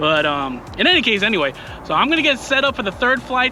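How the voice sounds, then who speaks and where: Noticeable background noise runs beneath a man talking fairly quickly. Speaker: drone and car video creator. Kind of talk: casual commentary while flying. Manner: hesitant, many fillers.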